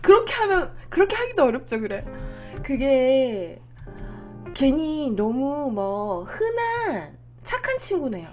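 A woman's voice: sits high, big pitch swings, slow pace, soft background music. A woman streaming host telling a story in casual chat, acting out the dialogue and laughing often.

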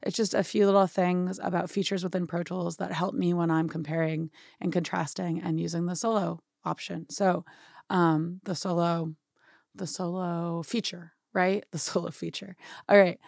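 A young woman with a hoarse, worn-out voice, chatting through a software tutorial in a home studio and often checking in with "right?". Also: on the low side, little pitch movement, moderate pace, dry recording. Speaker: music production tutorial host. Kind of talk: casual screen-share software tutorial.

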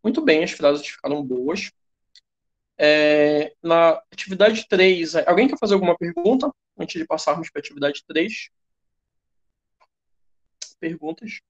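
The audio is dull, and the Brazilian teacher talks unhurriedly with frequent pauses, his voice on the high side. Leading an English class over a video call on his computer mic, he has a Brazilian Portuguese accent, picks on students and trades relaxed jokes.

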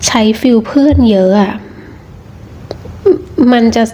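A woman giving a casual tarot reading, talking in a gentle, chatty way with frequent restarts. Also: slow pace, slight background noise. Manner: chatty, repeats words and restarts often. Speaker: tarot reader.

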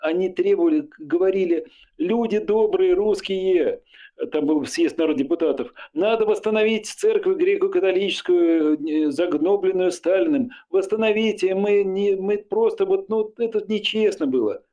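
A man's voice: high-pitched, normal speed, dark tone. A man arguing heatedly in the street, interrupting often and stumbling over hesitant fillers. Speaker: passer-by in debate.

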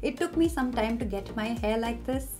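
A woman's voice: a little high, lively intonation, moderate pace, music in the background. A young woman giving hair care tips to camera in an emphatic, direct, chatty way. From India. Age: young adult. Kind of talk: casual instructional talk to camera.

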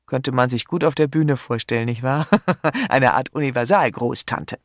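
A man's voice: medium pitch, normal speed, no room sound, clean studio sound, close to an everyday voice. A man voicing a shrewd older chief inspector who plays the genial country type and answers evasively. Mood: jovial.

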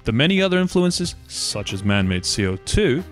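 A man reading a scripted documentary narration in a measured, argumentative way, posing rhetorical questions. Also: mid-range voice, big pitch swings, soft background music.

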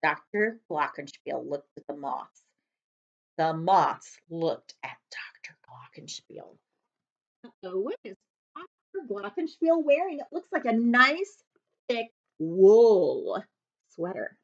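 A woman, reading a storybook aloud to children with expressive, dramatic delivery. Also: medium pitch, slow. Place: living room, on a couch. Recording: slightly dull webcam audio.

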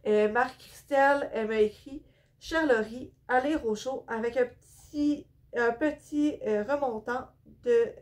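A woman's voice: on the high side, unhurried, a little mellow. A young woman with a Québécois accent chatting casually about her books in a home vlog, hesitant with many fillers and a bit tired. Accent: Québécois French. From Quebec. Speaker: book vlogger. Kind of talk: casual book haul vlog. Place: indoor room with bookshelves.

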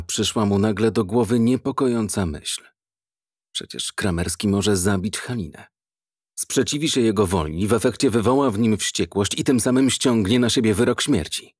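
A man reading an audiobook in measured, even scripted narration. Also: on the low side, slightly rough, no room sound, studio quality.

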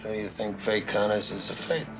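A man plays a dogged private eye who keeps pressing his questions in a dry, wry way. His voice sits very low. The sound is dull, like an old TV soundtrack with music behind it. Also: level tone, moderate pace, close to an everyday voice. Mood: probing. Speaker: private detective. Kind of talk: 1970s TV drama acting.

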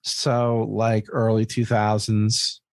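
A man co-hosting a podcast in casual comedic chat, telling stories in an animated way with plenty of swearing. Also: fairly low pitch, takes it slowly, no room sound. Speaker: podcast co-host.

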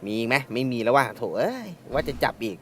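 A man giving excitable, laughter-filled commentary while playing a mobile game, taunting his opponents as he goes. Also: mid-range voice, fast talker, slight background noise. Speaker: gaming channel host.

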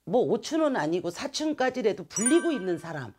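A middle-aged woman, a shaman fortune teller, earnestly answers interview questions and gestures with her hands, recorded on a clip-on mic in a shrine room with calligraphy screens. Her voice is a little high and a little mellow, with big pitch swings and a fairly quick pace, plus slight hiss or hum.

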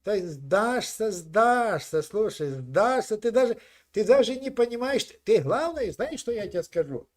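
A man's voice: sits high, animated, measured pace. A man in his sixties with a Ukrainian accent, taunting a stranger in a video-chat argument, stopping and restarting as he keeps telling him to listen.

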